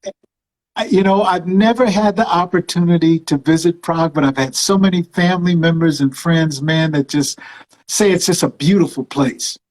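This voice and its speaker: A man's voice: on the high side, moderate pace, a little mellow, echoey room, poor audio. A man hosting a live video-call interview, effusive, calling his guest "brother" and "man". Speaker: show host.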